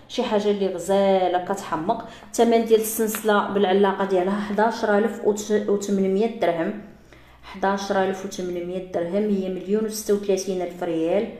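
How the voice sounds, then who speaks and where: A woman with a Moroccan Arabic accent, chatting through a live sales pitch for jewelry to her female viewers. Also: mellow, roomy sound. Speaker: jewelry seller.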